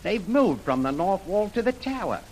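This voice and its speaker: An actor playing a dutiful army private reporting respectfully to officers in a 1930s radio drama. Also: male voice, high-pitched, sing-song, moderate pace, darkish tone. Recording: hissy old radio recording.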